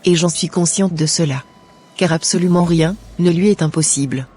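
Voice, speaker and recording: A man's voice: a little high, moderate pace, slightly rough. A man voicing a young Christian woman who is considering cosmetic surgery, speaking in an earnest, plain-spoken way in a cartoon. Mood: resolved. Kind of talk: amateur cartoon voice acting. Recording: soft music underneath.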